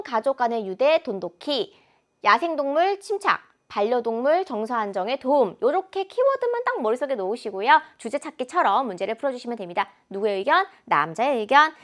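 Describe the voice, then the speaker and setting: A woman English teacher explaining exam answers in a lecture, animated and mixing in English examples. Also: on the high side. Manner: animated, switches between Korean and English examples.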